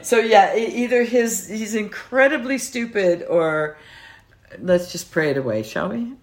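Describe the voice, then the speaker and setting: A woman co-hosting a podcast in casual chat, wry and quick to mock. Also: mid-range voice, expressive, faint music behind. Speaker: podcast co-host.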